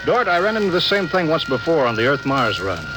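A man's voice: fairly high pitch, big pitch swings, fairly quick, over music, poor audio. An actor playing a stern, cautious male starship captain in a 1950s radio drama, giving clipped commanding orders.

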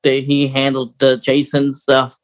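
A man's voice: medium pitch, completely flat delivery, a little slow. A man co-hosting a podcast, chatting casually and informally as an enthusiastic fan of sci-fi books. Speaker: podcast co-host.

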